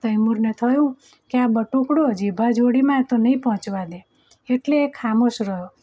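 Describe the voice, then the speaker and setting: A woman's voice: fairly high pitch, mellow. Woman narrating a story, dull recording. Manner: slows down and voices characters in quoted lines. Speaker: audiobook narrator. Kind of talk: storybook narration with acted dialogue.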